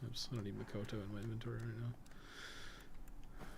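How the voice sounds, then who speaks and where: A man's voice: lowish voice, flat delivery, normal speed, creaky, a little hiss or hum. A man giving casual, rambling live commentary as he games, thinking aloud and swearing freely. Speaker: gaming streamer and podcast co-host.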